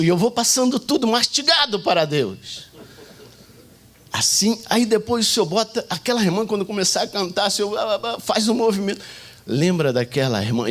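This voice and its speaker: Brazilian male pastor, lively sermon voice, a bit high, acts out the stories he tells. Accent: Brazilian Portuguese. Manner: animated storytelling, acting out shouts and quoted prayers.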